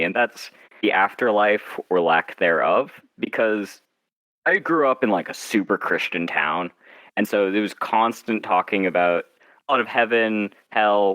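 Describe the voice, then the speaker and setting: A man being interviewed as an author, chatting casually in a wry, self-deprecating way, haltingly and with little acted-out asides. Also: deep voice, a bit bright, no room sound, rough recording.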